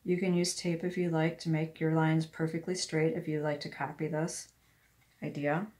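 Low-pitched woman casually demonstrating a craft. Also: flat delivery, normal speed, darkish tone. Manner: talks herself through each step, murmuring asides. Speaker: craft tutorial host, independent product demonstrator. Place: indoors at a wooden craft table.

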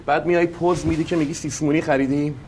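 An actor playing a rough-spoken husband who picks fights with his wife and her sister in a crude, sneering way. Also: a little high, steady tone, a little mellow, slight background noise, lightly acted. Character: blunt, rough-spoken husband, contemptuous and quarrelsome. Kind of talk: film drama acting.

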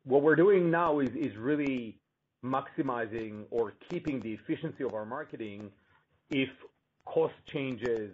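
A male company executive giving measured, explanatory answers on an earnings call. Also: mid-range voice, husky. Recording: muffled, noisy conference call line with clicks.

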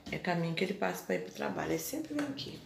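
A woman in her thirties from Brazil, vlogging casually at home on her phone and chatting warmly to her viewers. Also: on the low side, expressive, very fast, gravelly, background noise. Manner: chatty, gushing, addresses viewers as "gente". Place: house porch and kitchen at dusk. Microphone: handheld phone at arm's length.

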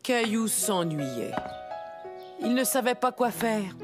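A woman narrating a scripted children's story in an expressive, clearly phrased storyteller's manner. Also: on the high side, slow. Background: music.

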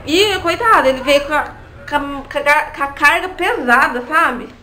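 A young adult woman vlogger tells a story in a casual, chatty vlog, often turning to her viewers with "né, gente?". Her voice is high-pitched and sharp in tone, at normal speed.

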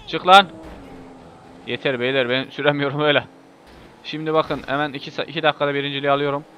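Excitable man calling his own racing game, loose and foul-mouthed; bright, pushed tone on a dull home mic. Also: medium pitch. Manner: excitable, swears and shouts at the game. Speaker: gameplay video host. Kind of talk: live gameplay commentary. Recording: muffled lo-fi mic with faint hiss.

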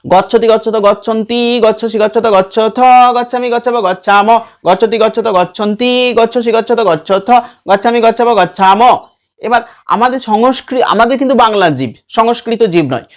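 A man teaching a lesson. He patiently recites verb forms over and over in a slow chant and keeps checking that students follow. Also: sits high. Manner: checks in with listeners often. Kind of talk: classroom lesson with recitation drills.

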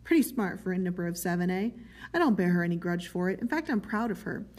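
A woman's voice: fairly low pitch, animated, quick pace, darkish tone. A woman voicing an eager, servile man in a novel, miserable yet proud, with a pleading, chummy, self-justifying manner. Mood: doleful pride.

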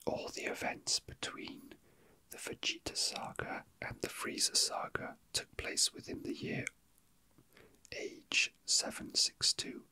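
An ASMR host whispering casual, unhurried chat close to the mic, musing to themselves while handling small objects. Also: rough recording. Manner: hushed, unhurried, musing to self.

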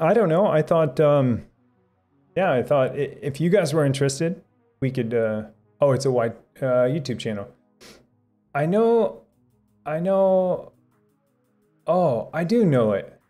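A man's voice: medium pitch, dark tone. A man hosting a live stream, chatting casually with viewers in a rambling way with many fillers and restarts. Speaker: livestream host. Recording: faint background music.

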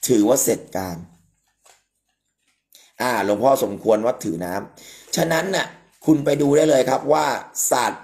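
A man's voice: medium pitch, a little mellow. A man hosting a live stream, explaining the details of an amulet coin in an emphatic, explanatory way with frequent polite particles. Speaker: amulet expert host.

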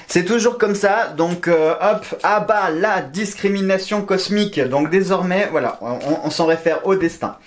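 Man, astrology reader, playful, joking, casual horoscope chat, slightly high-pitched. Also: normal speed, hardly any pauses. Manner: playful and joking, counting scores aloud. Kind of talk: casual weekly horoscope reading.

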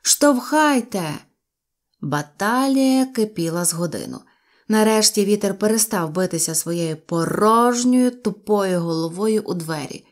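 A woman's voice: fairly low pitch, moderate pace. Woman reading a storybook aloud. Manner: lively expressive reading. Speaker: audiobook narrator. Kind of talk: storybook narration.

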